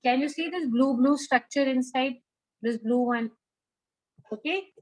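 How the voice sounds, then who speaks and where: A woman with a high, darkish voice speaks a little slowly in a rough recording without room sound. She is teaching biology with a South Asian accent, repeating the key ideas and drawing her students in with questions during the lecture.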